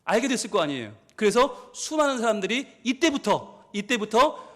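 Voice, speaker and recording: Animated Korean pastor preaching in reverb. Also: male voice, high-pitched, a little fast. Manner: animated storytelling, acting out biblical characters. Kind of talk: sermon. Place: church sanctuary.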